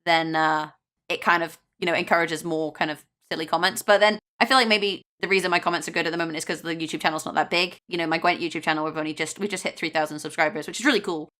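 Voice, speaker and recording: A woman talking on a casual gaming podcast as a guest. Her voice is bright and a little low, and she talks quickly in a chatty, informal way. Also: fairly even intonation.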